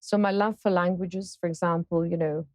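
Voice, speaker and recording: A woman's voice: lowish voice, fairly even intonation, no room sound. Thoughtful woman in her fifties from Singapore. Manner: thoughtful, many fillers and pauses. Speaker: interview guest, entrepreneur. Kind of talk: casual interview conversation.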